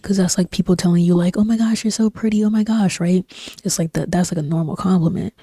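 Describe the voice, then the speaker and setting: A young woman streamer chatting casually while she plays, in a soft-spoken, breathy, near-whispered voice that rambles with lots of fillers. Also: fairly low pitch, quick pace, dry recording. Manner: rambling, relaxed, frequent fillers and slang. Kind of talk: casual chat while gaming. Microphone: desk microphone.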